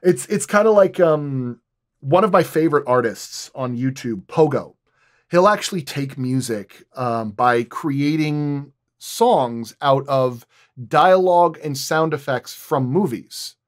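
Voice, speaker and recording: A man's voice: fairly high pitch, lively intonation, takes it slowly. Man explaining his craft, thinking aloud. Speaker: sound designer, guest. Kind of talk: casual explanatory podcast talk.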